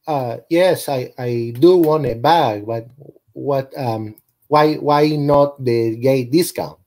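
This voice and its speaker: A man's voice: medium pitch, slow pace, darkish tone. A man reading a flustered, flamboyant young gay customer with a slight Hispanic accent over a video call.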